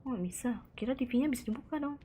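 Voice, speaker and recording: Chatty woman streamer, higher-pitched. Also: quick pace, dark tone, slightly rough. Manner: chatty and exclamatory, reacting aloud and reading chat; sprinkles in Japanese words. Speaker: streamer playing a horror game. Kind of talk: live gameplay commentary.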